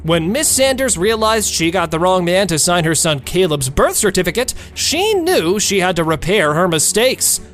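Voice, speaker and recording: High-pitched man narrating dramatically. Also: very animated, normal speed, few pauses, a bit bright. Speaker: recap narrator. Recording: music bed under the voice.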